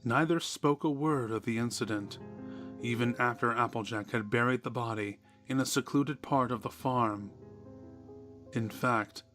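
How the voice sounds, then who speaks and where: A man's voice: mid-range voice, measured pace, fairly bright tone. Man narrating horror fiction over music. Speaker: story narrator. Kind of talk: dramatic horror story narration. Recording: music behind the voice.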